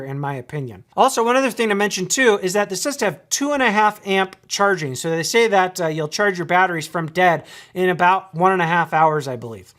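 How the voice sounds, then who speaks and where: A man's voice: high-pitched, a bit bright. A man giving a casual, enthusiastic product review to camera, chatty, with fillers and restarts.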